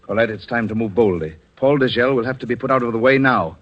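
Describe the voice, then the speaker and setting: An actor playing a cold, scheming husband in a 1940s radio drama, speaking in a menacing, commanding way. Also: male voice, medium pitch, fast talker, soft background music, lightly acted. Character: scheming cold husband, middle-aged man. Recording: dull old radio broadcast.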